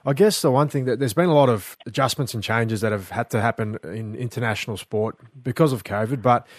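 A man hosting a radio interview, asking measured, slightly halting questions. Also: fairly low pitch, no echo, clean studio sound. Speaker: radio host.

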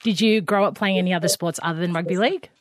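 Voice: medium pitch, fast talker. A co-host of a podcast, asking a guest questions in an upbeat way. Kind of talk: casual interviewing.

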